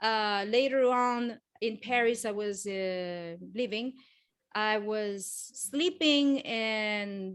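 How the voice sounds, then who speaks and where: A woman's fairly high voice with a French accent and ordinary pitch variation, against a quiet background. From southern France. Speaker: entertainer and spiritual speaker. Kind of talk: interview testimony. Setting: online summit interview. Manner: halting.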